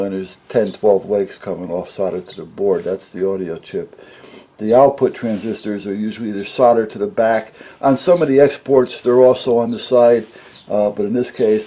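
A man's voice: lowish voice, mellow, slightly rough. A middle-aged man giving a casual, unscripted repair walkthrough at a workbench, rambling and explaining things matter-of-factly. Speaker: hobbyist radio repairer, presenter. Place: indoors at a workbench.

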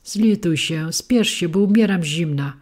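A woman's voice: low voice, normal speed, a little mellow. A woman voicing a cold, desperate wooden puppet boy who begs urgently, in a storybook reading. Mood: pleading. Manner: pleading, urgent.

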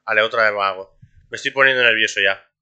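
A young man gives live commentary while streaming a game, frustrated and complaining about his bad luck with plenty of swearing. He repeats himself and ends lines with "tío." His voice sits on the low side, smooth, pushed and bright, and quick.

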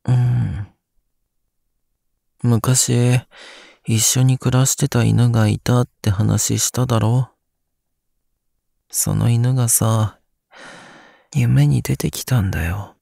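Male actor as a groggy young guy, slow-paced, heavy vocal fry, gentle grumbler, audio drama. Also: mid-range voice, steady tone, no room sound, clean studio sound, heavily acted. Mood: wistful, gentle. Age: young adult. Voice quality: drowsy, gravelly. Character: sleepy, grumpy but gentle young man living on the moon. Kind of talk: Japanese audio drama acting.

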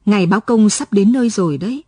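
Kind male village teacher, hushed and quick, read by a woman narrator, warm husky voice, radio storybook. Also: medium pitch, no echo, studio quality, natural voice. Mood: gentle.

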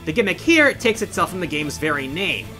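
A man's voice: a little high, very animated, fairly quick, sharp tone, soft background music. A middle-aged man hosting a countdown in scripted video essay narration, with an emphatic, theatrical delivery. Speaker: video game countdown host.

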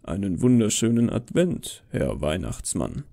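A man's voice: on the low side, sing-song, unhurried, vocal fry, dark tone, voice pushed down, exaggerated voice. A man voicing a bitter, deluded immortal Santa Claus with a brooding, falsely friendly manner, in an audio horror story. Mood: feigned politeness. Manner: brooding, contemptuous.

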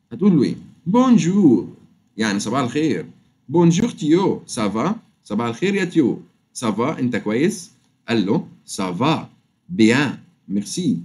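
A man with an Egyptian Arabic accent teaching a French lesson online, drawing the French phrases out slowly before explaining them. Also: medium pitch. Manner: fast, lively explaining, drawls French words out slowly.

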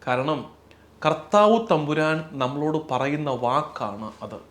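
A Catholic priest gives a calm, reflective sermon in a slightly higher-than-average male voice. He speaks slowly and tenderly, letting phrases fall away to near-hush at their ends. At times he breaks into a slow, chanted hymn line.

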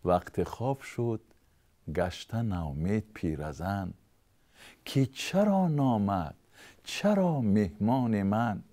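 A man's voice: fairly low pitch, very animated, dark tone. A man with a Tajik accent reciting a long story poem in a chanted, rhythmic way. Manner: chanted, rhythmic, sing-song delivery. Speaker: narrator.

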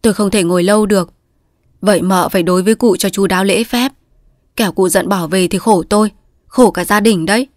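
A woman's voice: mid-range voice, brisk, no echo, clean studio sound, lightly acted. A woman voicing a male opium addict in painful withdrawal, whining and pleading, breaking into frantic cries. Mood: weary pleading.

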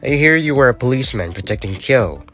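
A man playing a courteous, noble samurai in a comic dub, formal and measured. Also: medium pitch, lively intonation, fairly bright tone, husky. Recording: music behind.

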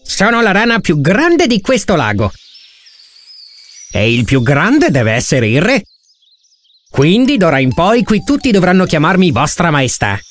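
A man's voice: sits high, huge pitch swings, unhurried, long pauses, exaggerated voice. A man voicing a pompous, boastful big frog in a children's cartoon.

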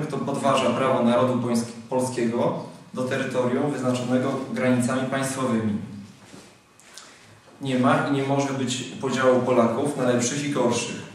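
A young man at a lectern in a large hall, reading a prepared speech in a formal, measured way. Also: mid-range voice, flat delivery, slight background noise. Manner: formal, measured delivery from a script. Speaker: speaker at a convention. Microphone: lectern microphone. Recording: very echoey hall, mic at a distance.

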